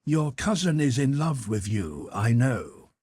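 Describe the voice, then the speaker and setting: A man's voice: mid-range voice, big pitch swings, measured pace, darkish tone, slightly rough, no echo, clean studio sound. A man reading the part of a cold, mocking card player who taunts his victim in a cool, clipped manner. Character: male card sharp, cold, mocking, in control.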